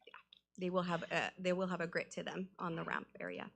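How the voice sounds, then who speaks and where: A woman's voice: on the low side, a little fast, gravelly, fairly bright tone, slight background noise. A woman delivering a formal report as a staff member at a public meeting. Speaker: city staff member presenting. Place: council meeting room.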